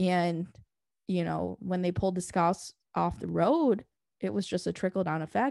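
In a very clean recording with a silent background and a dry, close sound with no echo, a woman with an American accent has a plain, everyday voice and a fairly low pitch. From South Florida. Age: 20s. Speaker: podcast host, sports agent. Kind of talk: casual chat.

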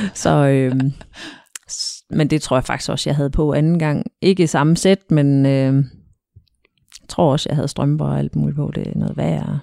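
A woman's voice, fairly slow in pace, with long, frequent pauses. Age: 30s. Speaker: guest sharing swinger club experience. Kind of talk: casual interview. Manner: halting.

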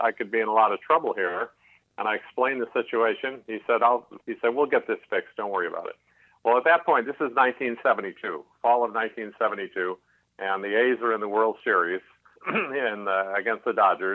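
Using a plain, everyday voice, a man speaks with an American accent at a medium pitch, a moderate pace and ordinary pitch variation. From US Midwest, Chicago. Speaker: sports broadcaster. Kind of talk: interview, casual storytelling.

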